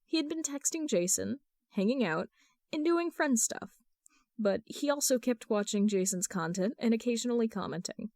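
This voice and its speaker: A woman's voice: on the high side, animated, moderate pace, darkish tone, no room sound. Woman reading fan fiction, dry close sound. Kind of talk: scripted narration, amateur audiobook reading of texts and story.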